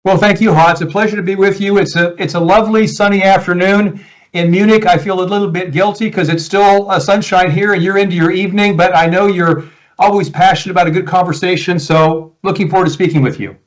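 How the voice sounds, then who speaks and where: A man in his sixties with an American Midwest accent, a guest coach answering interview questions in a relaxed, reflective way over a video call. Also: high voice, fast talker, low-quality recording. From United States, Iowa. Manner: relaxed, reflective, with frequent restarts.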